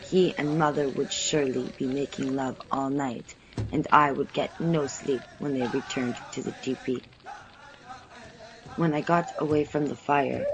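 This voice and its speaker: A man voicing a curious, gentle young woman who narrates an audio drama in measured, formal phrases. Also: on the high side, vocal fry, poor audio. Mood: reflective. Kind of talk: first-person audio drama storytelling.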